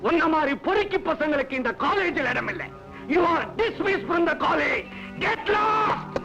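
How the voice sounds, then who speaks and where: An actor playing an enraged college principal who shouts slow, spat-out insults at a student. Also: male voice, sits high, very animated. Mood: furious. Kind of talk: 1980s Tamil film dialogue. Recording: dull film soundtrack with music.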